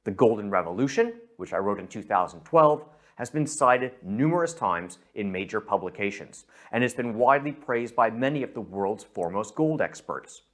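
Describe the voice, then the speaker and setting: A middle-aged man from San Francisco with an American accent, presenting a scripted investment pitch and speaking directly to the listener. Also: animated, normal speed, hardly any pauses. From San Francisco, USA. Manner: persuasive, addresses the listener directly.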